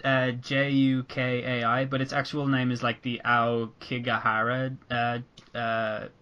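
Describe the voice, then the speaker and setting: A young man chatting casually on a podcast, rambling with many halting restarts and a dark sense of humor. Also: medium pitch, little pitch movement, clear, resonant tone, highs cut off. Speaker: podcast host. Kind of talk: casual chat.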